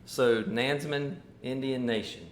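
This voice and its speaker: This mayoral candidate from Virginia, a man in his fifties, chats casually with an interviewer in an easygoing, meandering style. He has a medium-pitched voice and a measured pace. A faint hiss or hum sits under the echoey, roomy recording.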